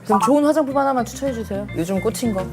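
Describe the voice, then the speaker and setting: A woman's voice: a little high, racing, music in the background. A woman hosting a casual interview chat, teasing her guests and laughing often. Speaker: host.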